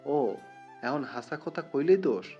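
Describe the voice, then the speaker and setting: A man's voice: a little high, animated, unhurried. A man playing a violent, jealous young gangster lover who snarls threats. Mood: furious. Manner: menacing, snarling threats in rough street dialect. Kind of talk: audio drama acting. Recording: muffled audio with background music.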